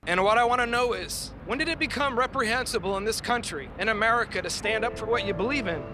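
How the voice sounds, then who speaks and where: A man's voice: sits high, fast, background noise, lightly acted. An actor playing an indignant Christian man giving an earnest, defiant film speech. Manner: earnest, declarative, oratorical.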